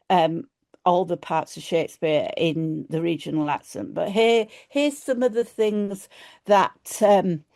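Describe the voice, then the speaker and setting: A woman's voice: medium pitch, a little mellow. A middle-aged woman with a broad Yorkshire accent giving a lecture, chatty and loose, with frequent ums and restarts. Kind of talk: academic lecture.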